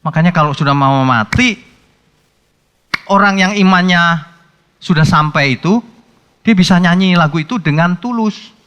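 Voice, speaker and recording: A male pastor preaching a sermon in a conversational, colloquial way, breaking into sudden animated outbursts. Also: high voice, normal speed, pauses often, clean tone. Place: church hall. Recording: long hall reverb with faint music.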